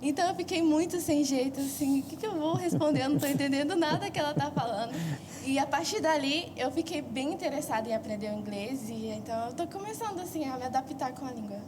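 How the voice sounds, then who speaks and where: A Brazilian woman with a high voice shares a personal story as a student guest. She sounds earnest and a touch hesitant. Clear background noise runs under her voice. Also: fast. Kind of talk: casual anecdote on talk show.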